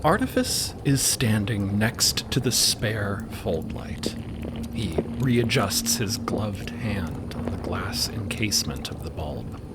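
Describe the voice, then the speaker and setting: A man's voice: on the low side, very animated, takes it slowly, very noisy. A man narrating an audio drama in a dramatic scripted storytelling style.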